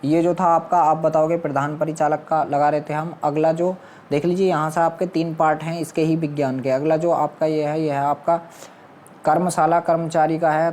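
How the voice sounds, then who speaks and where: Male coaching teacher, monotone delivery, muted tone, repetitive explanations, faint noise. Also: a little high. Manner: instructional, repeats questions and answers with habitual filler phrases. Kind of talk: walking through practice questions and answers.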